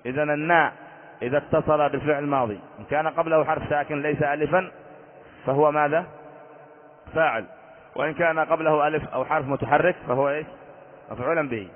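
A man's voice: fairly high pitch, fairly even intonation, quick pace, pauses often. A man, a sheikh, teaching an Arabic grammar lesson, quizzing his students and repeating each rule. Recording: tinny phone-like audio in a long-reverb hall.

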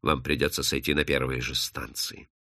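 A man voicing a stern, curt middle-aged man in an audiobook, speaking in low, clipped, hushed lines. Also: level tone, moderate pace, gravelly, no room sound, clean studio sound, exaggerated voice. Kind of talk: audiobook character voice.

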